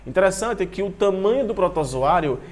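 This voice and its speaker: A man's voice: high-pitched, expressive, fairly quick. A man teaches an online class. He talks to students directly and informally, moving between reading slides and adding comments. He is prone to stumbling and restarting on long technical terms. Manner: stumbles and restarts over long technical words, self-deprecating; chatty, addresses students directly.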